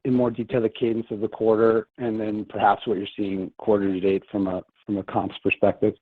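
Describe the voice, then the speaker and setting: A man's voice: on the low side, little pitch movement, a little fast, dry recording. A man speaking as a financial analyst, asking questions informally on a conference call over a phone line. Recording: dry tinny phone line.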